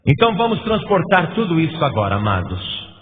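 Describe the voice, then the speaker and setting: A man with a Brazilian Portuguese accent preaching a sermon as pastor, building to loud, emphatic repeated lists. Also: fairly high pitch, wildly swooping pitch, brisk. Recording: tinny phone-like sound with long reverb and faint noise.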